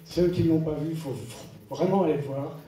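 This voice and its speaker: A man's voice: a little high, brisk, dark tone. A man in the audience asking a panel a long, roundabout question. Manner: wordy, circling before the question. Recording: roomy hall, distant mic, faint noise.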